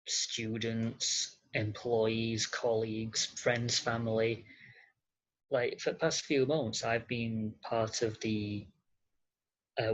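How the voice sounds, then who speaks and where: A podcast guest speaking in an interview, hesitant and halting, often searching for words, on a muffled recording. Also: medium pitch. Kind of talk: interview conversation. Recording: muffled lo-fi audio.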